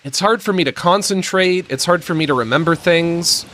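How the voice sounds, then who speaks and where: A man streaming a prerecorded monologue, with a squeaky voice, slurred, lisping, stammering speech, and short gasps for breath before sentences. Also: moderate pace, sharp tone.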